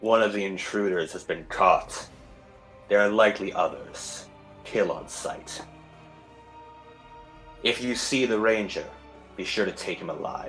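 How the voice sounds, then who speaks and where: Over clear music in the background, a man uses a booming, menacing put-on character voice at a medium pitch and moderate pace, with long, frequent pauses. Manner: commanding, menacing.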